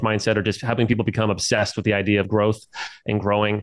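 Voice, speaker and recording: The speaker is a man whose voice sits at a fairly low pitch. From US tri-state area. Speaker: executive coach and author. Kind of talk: podcast interview.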